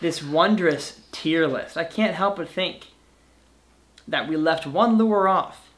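A man's voice: fairly high pitch, slow pace, noisy background. A young adult man hosting a casual, playful debate over a video call from a room at home. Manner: easygoing, playful, wraps up the show. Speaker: host. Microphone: webcam on a video call.

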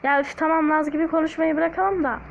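Her high, gravelly voice stays fairly level as she moves fairly quickly through casual, joking gameplay chat aimed at viewers, using an affected Black Sea Turkish accent and humming snippets. The recording sounds muffled.

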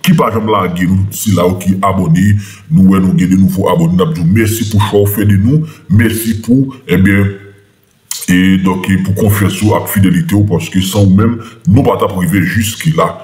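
A man's voice: low voice, normal speed, darkish tone. A man hosting an online news channel, rallying viewers and introducing a segment with lots of fillers. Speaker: channel host.

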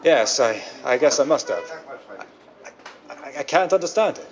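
A man as an animated crooked businessman, dull recording. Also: mid-range voice, a little slow. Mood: flustered panic. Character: smooth-talking but nervous crooked businessman. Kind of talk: 1930s radio drama acting. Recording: dull band-limited vintage-style radio sound.

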